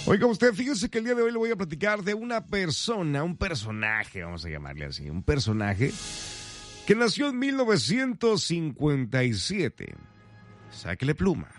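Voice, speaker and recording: Animated radio host man. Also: fairly high pitch, normal speed, faint music behind. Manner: chatty, playful, addresses listeners directly. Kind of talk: morning radio trivia segment.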